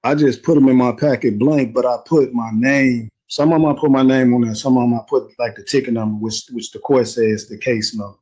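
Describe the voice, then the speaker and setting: A man in an interview, retelling a court visit in a rambling, animated way, quoting what people said. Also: medium pitch, brisk, few pauses, husky, poor audio. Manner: rambling, animated retelling with slang and quoted dialogue. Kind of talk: casual storytelling.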